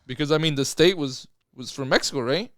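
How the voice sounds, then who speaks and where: A man's voice: on the high side, a little fast, dry recording, clean studio sound. A man from Houston, co-hosting a podcast, arguing in casual chat and swearing a lot. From Houston, Texas. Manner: argumentative, heavy swearing. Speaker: podcast co-host.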